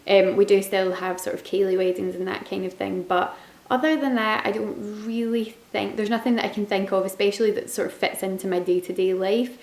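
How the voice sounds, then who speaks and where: A young woman with a Glaswegian Scottish accent talks casually to the camera in a mid-pitched voice. She rambles a little, with fillers and asides. The sound is roomy, with some echo from the walls around her. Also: little pitch movement, brisk, a little mellow. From Scotland. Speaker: beauty and lifestyle YouTuber. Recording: echoey room.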